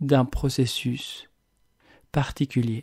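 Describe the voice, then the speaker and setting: A man with a Quebec accent and a dark, mellow tone, very slow, on a very clean recording with a silent background. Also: dry, close sound with no echo. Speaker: personal development podcaster. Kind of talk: motivational monologue. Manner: conversational, addressing listener directly.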